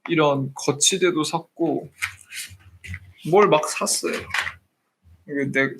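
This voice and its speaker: A man's voice: fairly high pitch, background noise. A 30-year-old man hosting a live stream, chatting casually with viewers and slipping between polite and informal speech.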